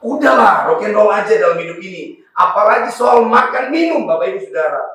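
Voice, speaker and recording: A man from Maluku with a raspy voice, preaching fervently to a congregation. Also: high voice, animated, fairly quick, a bit bright. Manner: fervent preaching with frequent congregation address and hallelujahs. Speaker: pastor. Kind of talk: sermon. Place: church hall. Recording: echoey church hall from far off.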